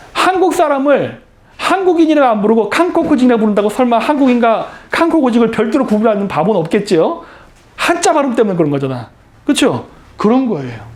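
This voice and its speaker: A man giving a history lecture, explaining with emphasis and often asking rhetorical questions he answers himself. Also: extremely high pitch.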